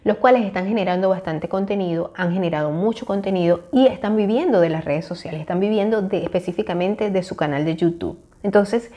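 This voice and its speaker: Earnest woman, warm mellow voice. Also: mid-range voice, brisk, few pauses. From Venezuela. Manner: earnest, encouraging, hesitant fillers. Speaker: YouTuber. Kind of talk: casual talk to camera. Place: small room indoors. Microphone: lapel mic.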